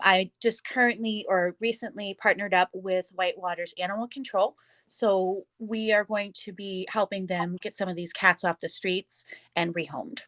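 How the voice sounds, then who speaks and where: A woman's voice: medium pitch, a bit bright, no echo. A woman from Wisconsin with a Wisconsin accent, answering interview questions about her cat cafe in a plainspoken, matter-of-fact way with dry humor.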